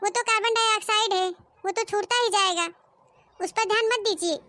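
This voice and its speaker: A woman's voice: extremely high pitch, steady tone, normal speed, bright, forceful tone, no echo, clean studio sound. A woman voicing a cheeky young daughter-in-law in a comic cartoon, talking back in a whiny, defiant way. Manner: whiny, defiant, sing-song pleading.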